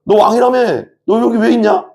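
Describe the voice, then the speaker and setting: A man's voice: very high voice, steady tone, normal speed, darkish tone, pitched above the performer's own voice. A man doing a sneering, jeering soldier. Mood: mocking. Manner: taunting, sneering rhetorical questions. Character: jeering male soldier mocking a prisoner.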